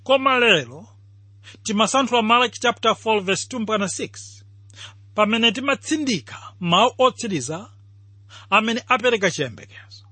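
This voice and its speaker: A man's voice: high voice, lively intonation, moderate pace, pauses often, pushed and bright, slightly rough, dry recording. A man with a Malawian accent giving a scripted Bible teaching for radio.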